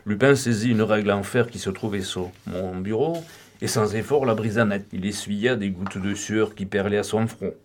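A man reading a classic novel aloud, with expressive narration. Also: on the low side, normal speed. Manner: expressive narration with acted dialogue. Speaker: audiobook reader.

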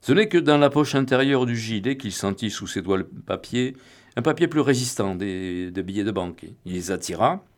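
A man narrating a crime novel as an audiobook, telling it in a steady, even way. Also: fairly low pitch.

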